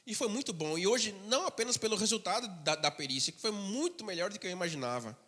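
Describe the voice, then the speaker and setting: Male pastor, sermon, high and bright tone, conversational storyteller, reverberant hall. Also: animated, quick pace. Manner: conversational storytelling, drops to a low murmur for asides.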